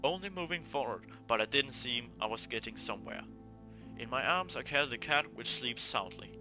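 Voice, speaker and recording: A man's voice: mid-range voice, lively intonation, moderate pace, over music. A man hosting a gaming video, reading a visual novel aloud theatrically, stumbling over words and talking to himself between lines.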